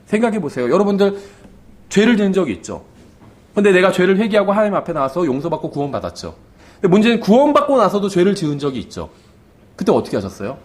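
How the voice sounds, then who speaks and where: Animated, high-voiced male pastor preaching. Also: fast. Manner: conversational, asks the congregation questions; acts out quoted lines of the father and son. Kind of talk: sermon.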